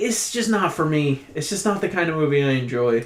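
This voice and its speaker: A man with an American accent has a normal speaking voice, fairly high in pitch. He talks at a fairly quick pace with lively intonation. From Minnesota. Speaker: podcast co-host. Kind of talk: casual chat.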